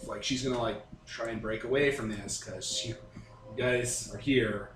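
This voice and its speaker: A man's voice: medium pitch, steady tone, normal speed. A man working as game master, improvising narration and rulings in a casual, conversational way. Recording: roomy, distant, noisy home recording.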